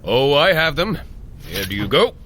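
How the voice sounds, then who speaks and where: An actor playing a blunt, hearty warrior god in an audio drama, gruff and dryly skeptical toward his brother. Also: on the high side, sing-song, normal speed, a bit bright, slight background noise. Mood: amused.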